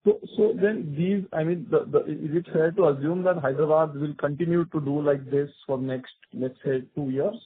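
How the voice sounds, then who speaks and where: Analyst guy asking questions kinda haltingly, rough voice, muffled phone. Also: fairly high pitch. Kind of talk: earnings call questioning. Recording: muffled phone conference line.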